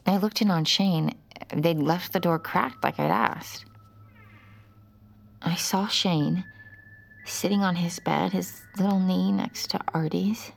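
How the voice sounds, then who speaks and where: A woman's voice: on the low side, slow, vocal fry, pauses often, slight background noise. Woman narrating as a haunted, regretful mother. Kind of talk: audio drama narration.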